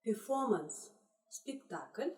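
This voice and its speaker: A woman teaching a children's English lesson, slowly repeating each word in three languages. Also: fairly high pitch, lively intonation. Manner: slow, deliberate, repeats words in three languages. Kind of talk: trilingual video lesson for children. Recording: echoey room, voice distant from mic.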